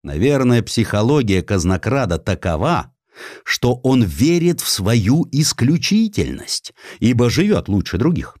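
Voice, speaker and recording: A man narrating a satirical historical audiobook in a theatrical, ironic and expressive manner. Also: mid-range voice, measured pace, no room sound, clean studio sound.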